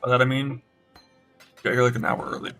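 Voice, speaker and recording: A man's voice: mid-range voice, monotone, a little fast, sharp tone, soft background music. A man streaming a game, casually talking through build choices in a rambling way. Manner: rambling, many fillers and restarts. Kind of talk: casual gameplay commentary.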